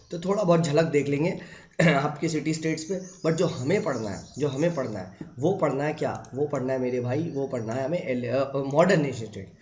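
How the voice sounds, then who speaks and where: This is a man teaching exam preparation online, speaking Hindi sprinkled with English, firing off rhetorical questions and repeated phrases before his voice drops softly for each answer. Sound quality is echoey and dull, a lo-fi room capture.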